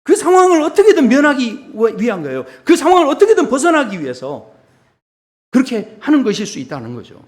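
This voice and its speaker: A man preaching a sermon as pastor, telling a story with acted-out lines and asking the congregation questions. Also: brisk. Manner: animated storytelling, acting out dialogue in a low voice.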